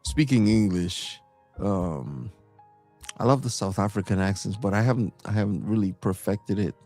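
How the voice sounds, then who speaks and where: Co-hosting a casual chat over soft background music, this middle-aged man from Trinidad speaks with a Trinidadian accent in a fairly low voice. He's animated, laughs readily, and uses plenty of fillers and restarts.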